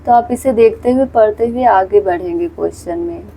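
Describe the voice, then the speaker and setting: A woman from India teaches a Hindi spelling lesson, working through one exam question after another. She explains patiently, repeats each word, and keeps pointing students to what is on the screen. Her voice is mellow and dark with a faint huskiness. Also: mid-range voice, normal speed, low-quality recording.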